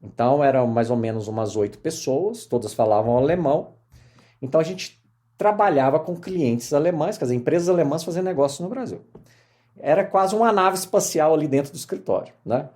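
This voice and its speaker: A middle-aged man from Minas Gerais with a Mineiro accent, telling his career story as a podcast guest in lively casual conversation. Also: on the high side, brisk. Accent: Mineiro Portuguese. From Minas Gerais, Brazil. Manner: animated storyteller, many fillers.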